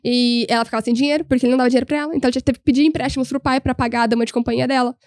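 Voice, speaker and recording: A young woman, a podcast guest telling history stories in an animated, humorous way. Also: high voice, rapid-fire, no room sound, studio quality. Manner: animated, humorous, voices quoted people. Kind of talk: casual storytelling chat.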